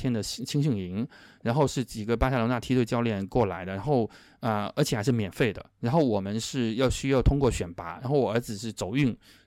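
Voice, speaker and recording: Recorded very cleanly against a silent background, a man with medium pitch and ordinary pitch variation has an unremarkable speaking voice. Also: fairly quick pace. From Guangdong, Chaoshan region. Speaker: podcast host and writing platform founder. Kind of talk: casual chat.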